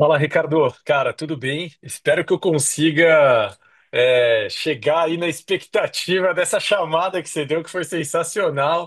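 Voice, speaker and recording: A man's fairly high voice at a fairly slow pace, with hardly any pauses, ordinary pitch variation, and a quiet background. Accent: São Paulo. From Brazil, São Paulo city. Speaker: physician turned venture capital investor. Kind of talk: interview conversation.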